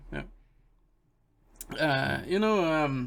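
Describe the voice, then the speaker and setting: Very slow in pace, a man with a Norwegian accent talks with ordinary pitch variation. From northern Norway. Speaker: podcast co-host. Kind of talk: casual chat. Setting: studio.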